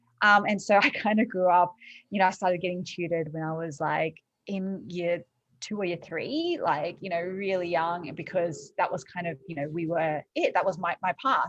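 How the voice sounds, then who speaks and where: Speaking at a moderate pace, a woman with an Australian accent has a fairly low pitch. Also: ordinary pitch variation. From Australia, Sydney. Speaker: e-commerce sales coach. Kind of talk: interview storytelling.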